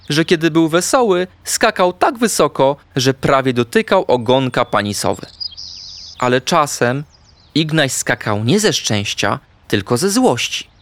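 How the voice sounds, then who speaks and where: A man narrating a children's bedtime story in an expressive, playful way. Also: medium pitch, no echo. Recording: faint background music.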